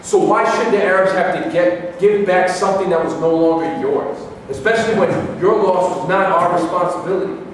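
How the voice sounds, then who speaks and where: A man's voice: high-pitched, fairly quick, hardly any pauses, close to an everyday voice. A man in a staged play reading, playing a bitter, stubborn Palestinian Arab man who argues in formal, combative phrases. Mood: argumentative. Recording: echoey hall, distant mic, faint noise.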